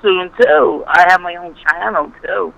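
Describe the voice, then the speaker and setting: An older man calling in to a sports talk show over the phone, rambling and trailing off mid-sentence in a high-pitched voice. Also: unhurried, vocal fry, crowd noise, rough recording. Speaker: caller. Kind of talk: casual call-in chat.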